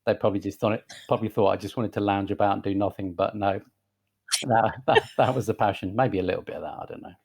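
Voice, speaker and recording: A man in his forties with a softened northern English accent, a guest talking casually in a podcast interview, relaxed and hesitant, with many fillers and restarts. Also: fairly low pitch, quick pace, gravelly. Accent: Northern English, softened by southern England. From northern England. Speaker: guest, creative director.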